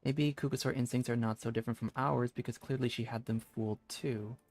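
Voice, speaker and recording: A man's voice: mid-range voice, steady tone, brisk, a little mellow, slight background noise. A man doing casual, reactive playthrough commentary as a gaming streamer.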